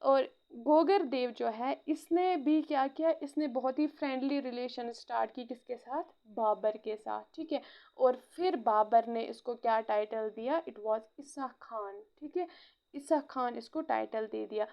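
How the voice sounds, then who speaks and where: A woman's voice: on the high side, a little slow, vocal fry, dull audio. A woman teaching an exam-prep history lecture, checking in often with listeners and mixing in English phrases. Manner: frequent "theek hai" check-ins, mixes English phrases.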